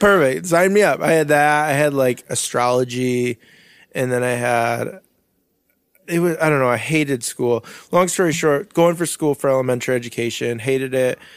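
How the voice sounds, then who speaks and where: This man has a plain, everyday voice at medium pitch, moving at a moderate pace with ordinary pitch variation over a very clean recording with a silent background. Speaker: photographer. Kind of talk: casual chat. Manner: swears often, laughs a lot, casual.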